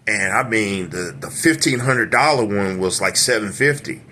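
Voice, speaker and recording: Talkative low-voiced man vlogging at home. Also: lively intonation, moderate pace, bright, forceful tone, slight background noise. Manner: talkative, many fillers and restarts; drops into a deep put-on radio voice. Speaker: vlogger reviewing a product. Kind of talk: rambling casual vlog. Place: home room. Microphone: camera set up nearby.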